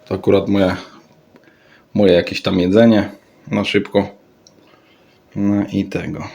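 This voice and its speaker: A man's voice: lowish voice, little pitch movement, slow pace, gravelly, darkish tone. A man giving a casual, off-the-cuff product showcase in a rambling way, often repeating his words and phrases. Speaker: radio hobbyist vlogger.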